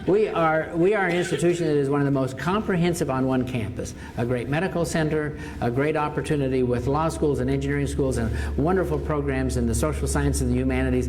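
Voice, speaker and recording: The audio is poor, with slight background noise, as an older man with a mid-range, darkish voice addresses an audience in an auditorium. A university president, he gives a formal speech, answers questions afterward, and stresses key points by repeating phrases.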